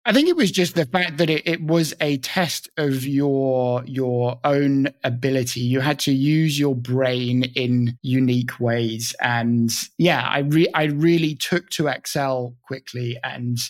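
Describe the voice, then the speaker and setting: A man's voice: mid-range voice, unhurried, hardly any pauses, no echo, studio quality. A British man talking as a panel guest, enthusiastic and often repeating words as he starts sentences. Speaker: guest, training company co-founder. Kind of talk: casual panel chat.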